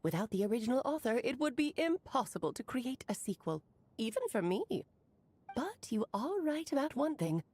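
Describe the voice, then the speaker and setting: Confident game sorceress; eloquent, dramatic, expressive. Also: female voice, fairly high pitch, normal speed, breathy edge. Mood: gracious. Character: grand, theatrical woman mage, warm and self-assured. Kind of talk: video game voice acting.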